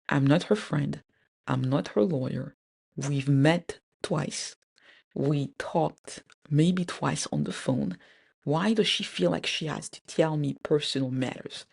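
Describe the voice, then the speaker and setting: Exasperated woman with a creaky voice. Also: sits low, darkish tone. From Cameroon. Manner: candid, exasperated storytelling with frequent fillers. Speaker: podcast host. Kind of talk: storytime vlog.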